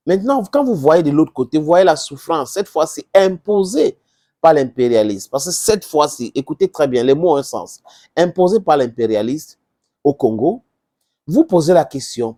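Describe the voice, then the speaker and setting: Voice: medium pitch, dark tone. A commentator from Southern Cameroon with a Cameroonian accent and English as first language, giving impassioned informal political commentary with emphatic repetition and rhetorical questions. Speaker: political commentator addressing viewers.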